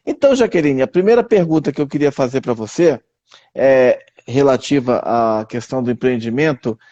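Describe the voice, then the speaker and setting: A man's voice: mid-range voice, animated, normal speed, dark tone, dull audio. A man hosting a live interview, affable and affirming, with many "né"s. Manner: affable, frequent "uhum" and "né" affirmations. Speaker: host, interviewer.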